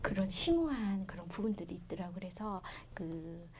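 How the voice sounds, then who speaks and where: A middle-aged woman with a regional Korean accent giving a parenting lecture, telling stories in a chatty way that swings between loud bursts and soft asides. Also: mid-range voice, animated, normal speed, a little hiss or hum. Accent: Korean regional dialect.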